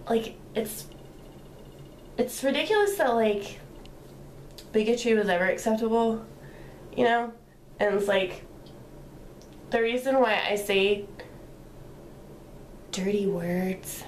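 With light background noise behind her, a woman speaks at a fairly slow pace, leaving long, frequent pauses, her intonation fairly even. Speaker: vlogger. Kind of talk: casual vlog chat. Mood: irritated, ranting. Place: bathroom. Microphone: phone near.

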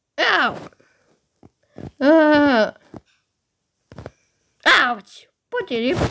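This is a put-on character voice pitched high. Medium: dub.

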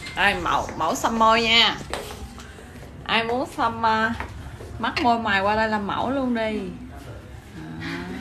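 At a very slow pace with long, frequent pauses, a woman speaks at a fairly high pitch over noticeable background noise. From Vietnam. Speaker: tattoo artist. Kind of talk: livestream chat; casual livestream chat. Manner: animated. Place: shop. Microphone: phone near.

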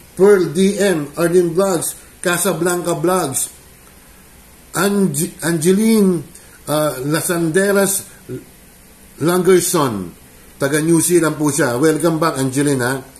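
Long pauses come often in this fairly slowly paced speech, and the pitch varies in an ordinary way. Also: man, high pitch for a man. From Philippines. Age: 60s. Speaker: vlogger. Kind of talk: casual vlog monologue; reading out viewer names. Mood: cheerful, grateful. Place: home room. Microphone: webcam.

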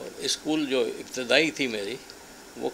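A man's voice against noticeable background noise. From Pakistan, Karachi; Pakistan. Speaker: lawyer and spiritual figure; lawyer. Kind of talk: interview. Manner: slow, soft-spoken. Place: home room. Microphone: handheld.

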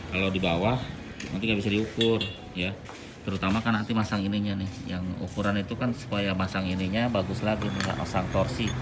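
A man talks fairly quickly as loud background noise fills the recording. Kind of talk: tutorial. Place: workshop. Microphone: phone near.

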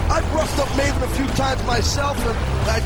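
A man speaks over background music, his voice dry with no echo. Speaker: wrestling commentator. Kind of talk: commentary. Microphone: headset.

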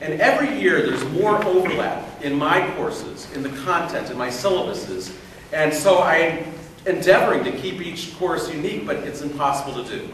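Against light background noise and audible room echo, a man with a high pitch talks at a moderate pace with ordinary pitch variation. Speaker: international law panelist. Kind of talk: conference talk. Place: hall. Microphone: podium.

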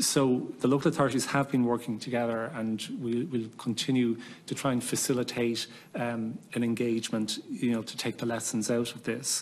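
A man with an Irish accent speaks at a moderate pace with fairly even intonation. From Ireland. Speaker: government department official. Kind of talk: committee testimony. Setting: committee hearing room. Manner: formal. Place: meeting room.

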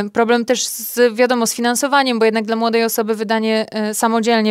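A woman's fairly high voice at a very fast pace, in a dry sound with no echo. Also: quiet background. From Poland, Białystok; Poland. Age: 20s. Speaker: singer; interview guest. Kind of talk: radio interview. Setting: radio studio. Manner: hesitant, many fillers. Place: studio. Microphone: handheld.

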